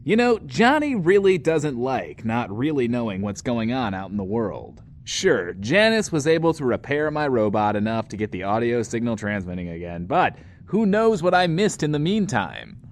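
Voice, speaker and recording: Post-apocalyptic radio DJ, boastful, flirty, hammy, highly animated pitch, audio drama monologue. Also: male voice, moderate pace, hardly any pauses, slight background noise. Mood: musing. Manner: hammy, showy, refers to himself in third person.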